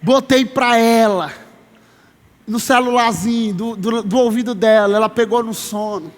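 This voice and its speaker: A man in his thirties preaching a sermon as pastor, emphatic, slowing down to stress his words and calling listeners brother. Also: very high-pitched. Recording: long reverb of a large hall.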